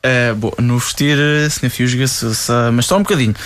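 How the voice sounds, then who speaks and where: A man's voice: mid-range voice, brisk, a bit bright, slight background noise, close to an everyday voice. A man playing a polite radio interviewer in a comedy sketch, with a European Portuguese accent, dry and hesitant with many fillers.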